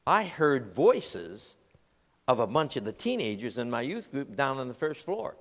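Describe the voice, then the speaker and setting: A man, preaching and telling a funny story with lively delivery. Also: medium pitch, a little slow, big-room sound. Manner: animated storyteller, acts out voices and laughs. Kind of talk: humorous sermon illustration.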